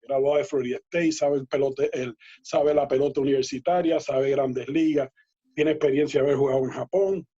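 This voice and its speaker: A man, a guest telling lively baseball anecdotes in a casual interview, laughing and acting out quoted dialogue. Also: mid-range voice, moderate pace, husky. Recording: dull lo-fi audio.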